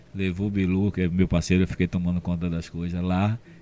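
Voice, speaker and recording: With a dark, mellow tone, a man speaks at a very deep, low pitch. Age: 60s. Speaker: local politician and former radio owner. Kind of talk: casual interview.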